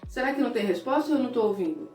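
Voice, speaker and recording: A woman's voice: fairly high pitch, animated, racing, darkish tone, echoey room, recorded from a distance, soft background music. A woman preaching a devotional sermon, earnest and full of rhetorical questions.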